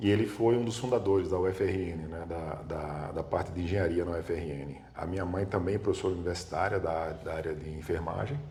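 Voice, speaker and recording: Over noticeable background noise and audible room echo, a man with a very deep, low pitch talks at a fairly quick pace with ordinary pitch variation. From Brazil, Natal, Rio Grande do Norte. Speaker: chemistry professor. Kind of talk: interview. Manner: hesitant, many repetitions.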